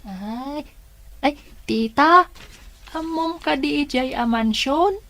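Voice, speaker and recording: A woman's voice: high voice, takes it slowly, bright, forceful tone, exaggerated voice. A Filipino woman playing a wondering, inquisitive child in a radio drama. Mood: curious. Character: curious, wide-eyed child talking with an aunt. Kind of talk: Ilocano radio drama acting.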